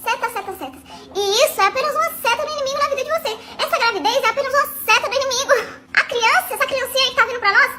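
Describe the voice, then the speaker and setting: A woman's voice: extremely high pitch, racing. Woman doing a preachy, sanctimonious pastor. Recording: loud background noise.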